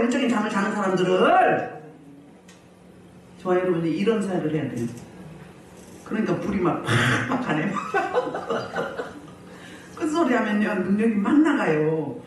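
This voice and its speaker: A woman pastor preaching a healing service sermon, animated, often putting questions to the congregation and laughing as she goes. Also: medium pitch, slight background noise. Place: church hall. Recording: very echoey hall, mic at a distance.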